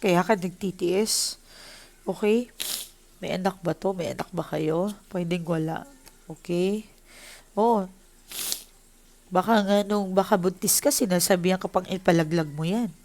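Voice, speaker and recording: A woman's voice: fairly low pitch, a little slow, long pauses, a little mellow. A woman giving a casual tarot reading, emotional and speaking straight to her viewers, mixing Tagalog with English. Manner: addresses viewers directly. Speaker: tarot reader.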